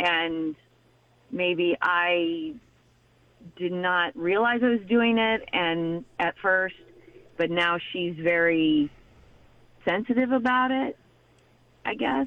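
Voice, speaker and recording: With an American accent, a woman speaks at a very slow pace in a fairly low pitch, leaving long, frequent pauses. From California. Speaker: caller. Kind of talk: phone call-in conversation. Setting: phone call.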